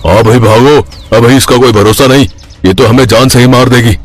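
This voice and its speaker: An actor playing a rough thug in a cartoon story, talking in a hurried way while running from danger. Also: male voice, mid-range voice, steady tone, close to an everyday voice. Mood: scared. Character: frightened thug fleeing.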